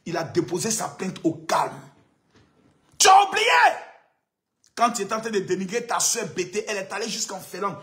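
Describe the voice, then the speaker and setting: A man with an Ivorian French accent hosting a heated live political show, mocking and taunting his target, breaking into shouts and bits of song. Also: sits high, fast talker, hardly any pauses. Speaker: political web show host.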